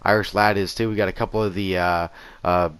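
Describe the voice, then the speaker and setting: A man in his thirties with a raspy voice after a concert, casually talking through gameplay footage on a headset in a small home room. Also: low-pitched, flat delivery, brisk, fairly bright tone, dry recording. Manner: easygoing, rambling with fillers and restarts. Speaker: gaming channel host. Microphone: gaming headset.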